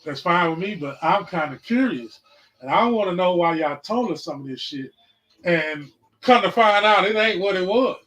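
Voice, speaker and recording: Excitable high-voiced man in his forties. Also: moderate pace, poor audio. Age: 40s. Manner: loud excitable outbursts, repetitive; profane, slangy, calls out viewers. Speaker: podcast host. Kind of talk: casual preaching and chat. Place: livestream, home setup.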